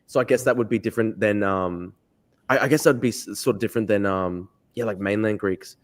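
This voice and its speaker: A man's voice: on the low side, a little fast. A man hosting a podcast interview, rambling in a casual way and filling his speech with "like". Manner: rambling, heavy use of "like". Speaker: podcast host.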